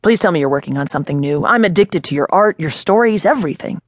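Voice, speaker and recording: A woman reading an audiobook voices an eager, effusive male film producer who gushes with excitement. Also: fairly low pitch, quick pace, no room sound, studio quality. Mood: gushing. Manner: gushing, excited.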